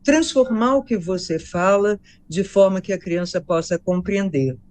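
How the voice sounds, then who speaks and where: A woman's voice: medium pitch, lively intonation, unhurried, darkish tone. A Brazilian woman researcher answering interview questions about teaching, emphatic and repeating her key points. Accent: Brazilian Portuguese.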